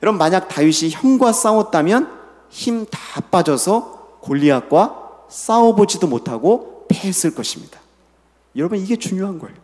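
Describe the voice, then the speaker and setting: Long hall reverb fills this church sanctuary recording of a middle-aged senior pastor preaching. He leads scripture reading and questions the listeners in a high, animated voice with a darkish tone and normal speed.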